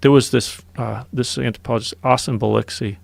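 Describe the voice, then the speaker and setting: A podcast guest, a man with a gravelly, fry-tinged voice, recounts hunting experiences in a casual, animated way. He is recorded close on a studio mic with a dry sound. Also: medium pitch, brisk, no room sound. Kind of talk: casual storytelling.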